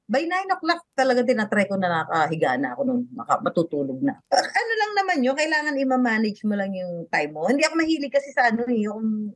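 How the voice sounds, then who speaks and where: A woman's voice: on the high side, wildly swooping pitch, fairly quick, no room sound. Middle-aged woman guest, talkative and laughing, dry close mic. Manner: chatty, laughs often, restarts sentences. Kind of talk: casual interview chat.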